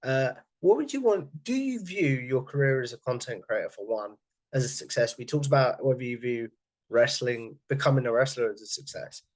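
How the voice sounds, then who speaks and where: A man's voice: mid-range voice, animated, moderate pace. A man hosting an interview, asking long questions and rephrasing himself carefully as he goes. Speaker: podcast host.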